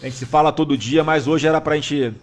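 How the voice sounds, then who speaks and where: A man's voice: on the high side, steady tone, fairly quick. A man hosting a live birthday stream in a jovial, informal way, introducing guests and surprises. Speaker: host.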